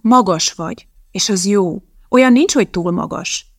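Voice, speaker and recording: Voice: medium pitch, no room sound, studio quality, natural voice. An audiobook narrator voicing a firm, matter-of-fact scientist mother.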